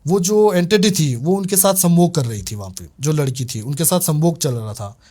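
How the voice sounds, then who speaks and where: Guy telling his ghost exorcism story in an interview, kinda high voice, acts out what people said. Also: moderate pace. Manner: animated retelling, voices other people's lines. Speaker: exorcist recounting a case.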